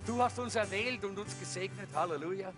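A man's voice: high-pitched, brisk, over music. A man preaching a sermon that ends in prayer, fervent and calling out hallelujah again and again. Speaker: pastor.

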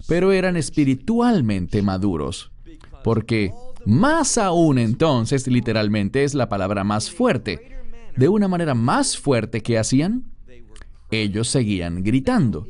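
Animated man preaching a sermon. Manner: emphatic, with dramatic pitch swings. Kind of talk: expository sermon.

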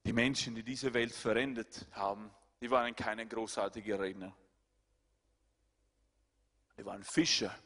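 Pastor preaching in a reverberant hall. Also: male voice, steady tone, measured pace, long pauses. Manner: swings between loud high-pitched preaching and quiet low asides. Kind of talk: sermon.

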